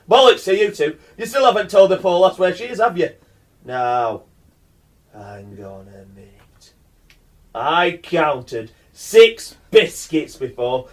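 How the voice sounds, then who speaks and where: An actor playing a foul-mouthed, rambling madman in a radio play, theatrical and quick to swing into threats. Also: sits high. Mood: menacing. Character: foul-mouthed, menacing, rambling madman telling absurd tales.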